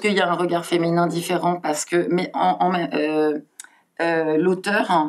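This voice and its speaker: Very slowly, a woman speaks in a fairly low voice. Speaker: storyteller and actress. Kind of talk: interview answer.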